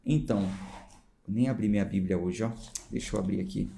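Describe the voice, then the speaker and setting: A man's voice: on the low side, fairly quick, gravelly, dark tone, slight background noise. A man from São Paulo with a São Paulo accent, a pastor reading the Bible aloud and explaining it in a conversational way with informal asides to his viewers. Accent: São Paulo Portuguese. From São Paulo, Brazil.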